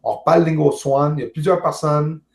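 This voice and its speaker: A man with a Québécois French accent, a guest chatting casually over a video call, jovial and halting with many fillers and restarts. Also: on the high side, steady tone. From Quebec, Canada. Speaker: guest, amateur astronomer. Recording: roomy echo.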